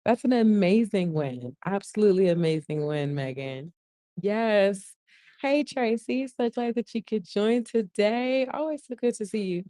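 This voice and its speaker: A woman in her forties, speaking, hosting a casual livestream. She talks softly to keep her voice down, reads viewer comments aloud and laughs often. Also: medium pitch, animated, measured pace, dry recording, clean studio sound. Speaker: livestream host. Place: shared co-working space. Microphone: earphones mic.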